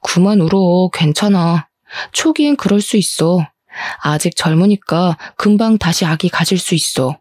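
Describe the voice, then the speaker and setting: A woman voicing a young husband who speaks softly and soothingly. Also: lowish voice, animated, a little slow, no echo, clean studio sound. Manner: soft, soothing reassurance. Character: gentle young husband, comforting.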